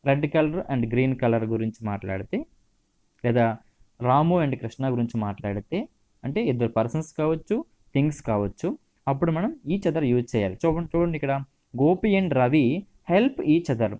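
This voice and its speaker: A man with a Telugu accent teaching English grammar, reading each example sentence slowly before explaining it. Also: mid-range voice, animated, dark tone.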